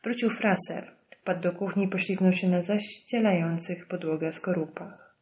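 Female audiobook reader, steady measured narration, fairly low voice. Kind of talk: scripted narration.

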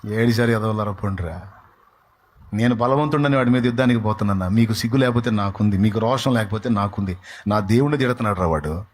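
Brief: man as a defiant young shepherd warrior, low, scornful, resolute. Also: fast talker, lightly acted.

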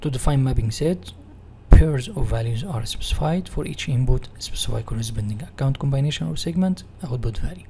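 A man with an Egyptian Arabic accent teaches in a mellow, mid-pitched voice. He reads out material and rephrases it in non-native English, like a software tutorial. There is faint noise on the recording. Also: expressive, brisk, hardly any pauses. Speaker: instructor. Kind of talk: software tutorial reading slides and explaining.

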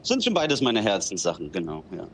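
A man in his thirties from Berlin, raised in northern Germany, talking as a guest in a relaxed interview, often filling with small agreeing words. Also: low voice, brisk, slight background noise. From Berlin-Spandau, raised in Dithmarschen. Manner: relaxed, fills with "genau" and "ähm". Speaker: interview guest, bistro owner. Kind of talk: casual interview.

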